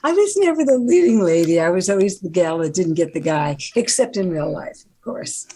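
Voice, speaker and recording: A woman's voice: on the low side, normal speed, slightly rough. Older New woman, chatty storyteller. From New York. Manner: chatty, animated storyteller who laughs often. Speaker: guest actor. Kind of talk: radio interview chat.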